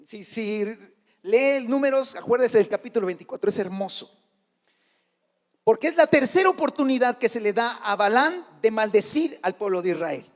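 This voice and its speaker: High-voiced preacher in a hall. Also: male voice, animated, moderate pace. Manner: storytelling, acting out the biblical characters' dialogue; colloquial Mexican slang, addressing listeners as brother. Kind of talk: sermon. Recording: reverberant church hall.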